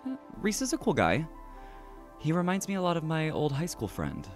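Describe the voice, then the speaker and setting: Man acting an easygoing, animated young friend. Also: fairly high pitch, moderate pace, soft background music. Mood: teasing, fond. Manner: casual, conversational. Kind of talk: audio drama acting.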